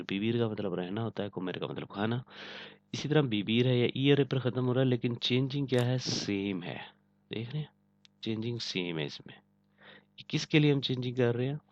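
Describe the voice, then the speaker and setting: A man teaches a lesson at a measured, patient pace, often stopping to check that his students follow. His voice sits low. The recording sounds dull and lo-fi but dry, with no room sound. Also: dry recording. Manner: patient, repeats "ठीक है ना" to check understanding. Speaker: language teacher. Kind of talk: online language lesson.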